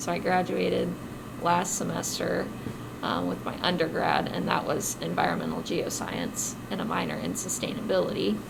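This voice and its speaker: A woman speaks with an Indiana accent. Audible room echo surrounds her voice. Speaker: geology graduate student. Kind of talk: casual chat on live stream. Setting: live stream.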